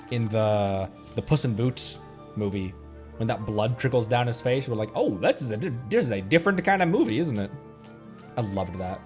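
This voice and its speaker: A man's voice: fairly low pitch, a little mellow. Male streamer, casual chatter, rambly, laughs a lot. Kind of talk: casual live-stream commentary. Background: game music.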